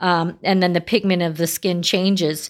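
A woman speaks at a fairly slow pace in a plain, everyday voice with medium pitch. The recording is very clean, with a silent background. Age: 50s. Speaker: podcast host and dog sanctuary caretaker. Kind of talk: solo podcast monologue. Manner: casual, with many fillers.

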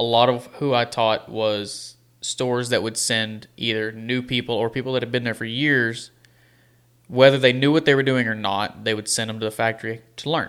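Talking at a moderate pace in a Texan accent, a man keeps a medium pitch and fairly even intonation. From Texas (Fort Worth area, Bowie). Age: 20s. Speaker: hat shaper. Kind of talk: casual interview chat. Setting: studio.

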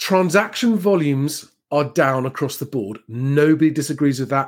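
A man with a southern English accent is heard on a very clean recording with a silent background. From England, Sussex. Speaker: property market commentator and estate agency founder. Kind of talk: impromptu live stream commentary. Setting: live stream with screen share. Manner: animated.

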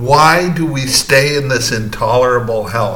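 Noticeable background noise behind a man's fairly slow delivery. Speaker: podcast host. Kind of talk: angry rant. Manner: indignant, worked-up, sarcastic; talks over co-host, jokey, bickering.

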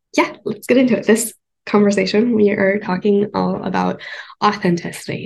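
Vocal fry colors the words, which come at a fairly quick clip. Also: woman. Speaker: podcast host, knitting pattern designer. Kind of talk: casual podcast monologue. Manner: casual, many filler words.

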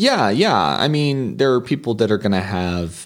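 Pitched fairly low, the man's voice moves in very wide pitch swings. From United States. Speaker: chess player. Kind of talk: casual interview. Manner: loud; animated.

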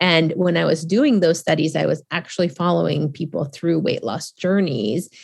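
This woman's voice sits at a fairly low pitch and carries vocal fry. Her pitch varies in an ordinary way. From Argentina (Buenos Aires), raised in US from fourth grade. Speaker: physician, obesity medicine specialist. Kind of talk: interview conversation.

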